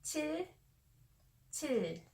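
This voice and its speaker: A young woman teaching a language lesson, saying each word twice with slow, careful delivery, indoors in front of a camera. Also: sits high, sing-song, vocal fry, darkish tone. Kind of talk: slow clear repetition of words. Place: bright indoor room, seated.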